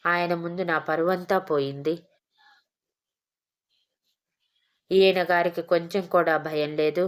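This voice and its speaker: A shy young wife in an audio story begs her husband in timid, pleading words, as a woman reads her. The delivery is low-pitched and flat. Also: natural voice. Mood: fretful.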